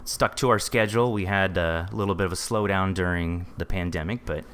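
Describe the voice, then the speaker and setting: A man's voice: deep voice, a little fast, fairly bright tone, smooth. A man from a podcast team chatting casually in a group interview, rephrasing as he goes.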